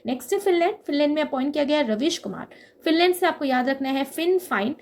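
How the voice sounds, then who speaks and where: Young woman teacher, high voice, goes step by step through memory tricks, keeps saying okay, slows down on the key words. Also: animated, darkish tone. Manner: explains step by step, often checking in with "okay" and "na"; drags out key words to stress them. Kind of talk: exam-prep lesson with memory tricks.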